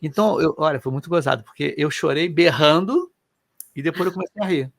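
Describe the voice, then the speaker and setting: A middle-aged man from Rio de Janeiro, telling personal stories in an animated, colloquial way as co-host of a casual chat. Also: fairly high pitch, brisk, vocal fry, no room sound, studio quality. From Brazil. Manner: animated, colloquial, emotional storyteller.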